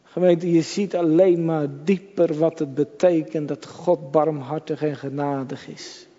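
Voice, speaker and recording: A man's voice: fairly high pitch, steady tone, a little slow, mellow. A man preaching a sermon to his congregation in church, emphatic and repetitive, addressing his listeners directly. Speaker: pastor. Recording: dull lo-fi church recording with long reverb.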